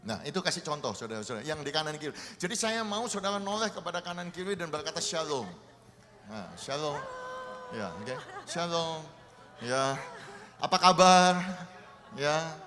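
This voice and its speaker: Energetic pastor in a reverberant church hall. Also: male voice, on the high side, brisk. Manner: lively, coaxing the congregation to practise greetings. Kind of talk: sermon with congregation greetings.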